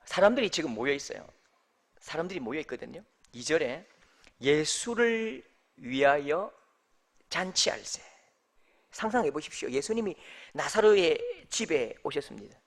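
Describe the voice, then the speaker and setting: A man's voice: on the high side, expressive, brisk. A male pastor preaching a sermon, telling folksy stories with acted-out quotes.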